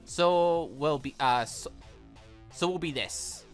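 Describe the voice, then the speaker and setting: An excitable gaming YouTuber reading a visual novel aloud and commenting on it in an animated, exclaiming manner. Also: medium pitch, slow. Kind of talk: let's play commentary mixed with reading dialogue aloud. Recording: music behind the voice. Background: video game music.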